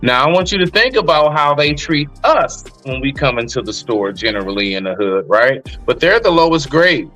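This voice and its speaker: Man, live-stream host, loose and chatty, mid-pitched voice, faint music behind. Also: animated, normal speed, hardly any pauses, a bit bright, rough recording. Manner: loose and conversational, with frequent fillers and restarts; calls panelists brother and sister. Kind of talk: casual panel discussion.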